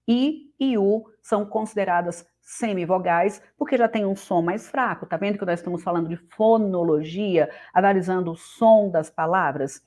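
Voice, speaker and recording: A woman teacher with a Brazilian Portuguese accent explains grammar in a casual online lesson. She talks straight to the viewer in a chatty way and keeps checking in with quick questions. Her voice is close to the mic. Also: mid-range voice, darkish tone.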